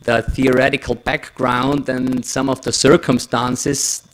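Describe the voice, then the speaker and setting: A man with an Austrian German accent presents at a conference in English, stopping often on fillers. His delivery is hesitant, and his pitch stays flat and level. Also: a little slow, rough recording.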